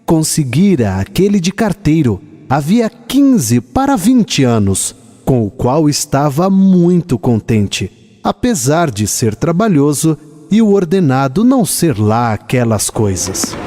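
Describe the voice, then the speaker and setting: A Brazilian man narrating a literary radio drama in a measured, expressive storytelling manner. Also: on the high side, faint music behind.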